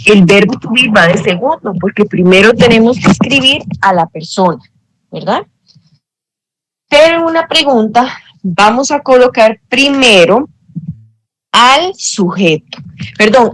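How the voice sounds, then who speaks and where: A woman's voice: medium pitch, dry recording, poor audio. A woman teaching an English lesson online, explaining patiently, checking in with her students and correcting herself as she goes. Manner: corrects herself mid-sentence.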